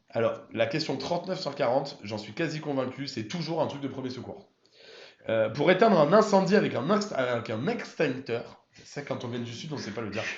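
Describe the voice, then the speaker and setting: Audible room echo surrounds a man with a southern French accent and a fairly high voice. He keeps a moderate pace with lively intonation and big swings in loudness. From southern France, mountain village. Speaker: livestream presenter for a driving school. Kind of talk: casual live-stream quiz chat. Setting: live stream. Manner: hesitant, many fillers.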